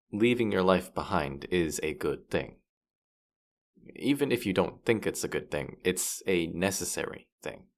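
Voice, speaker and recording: A man's voice: low-pitched, gravelly, fairly bright tone, heavily acted. A man playing a teasing, boastful demon who guides souls through the afterlife in a roleplay audio drama, condescending and playful. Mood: incredulous, firm.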